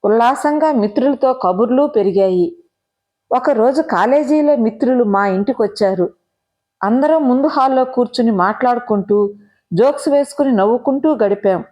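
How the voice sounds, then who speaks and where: A woman narrating a first-person audio story in an expressive, measured storytelling manner. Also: a little high.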